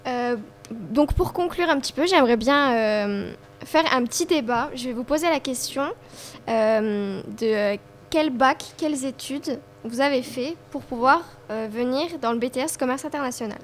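A woman's voice: sits high, normal speed, a little hiss or hum. A young woman hosting a casual student round-table, speaking in a conversational, somewhat hesitant way. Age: young adult. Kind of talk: casual moderated student discussion.

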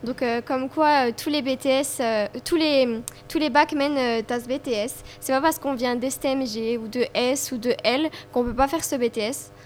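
High-voiced young woman hosting. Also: steady tone, normal speed, few pauses, slight background noise. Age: young adult. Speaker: student host of a round-table discussion. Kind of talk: casual moderated student discussion.

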